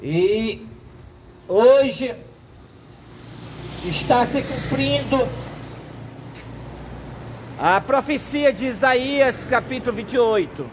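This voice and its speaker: Very high-pitched Brazilian man preaching. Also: expressive, very slow, pauses often, slight background noise, low-quality recording. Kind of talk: sermon, prophetic preaching.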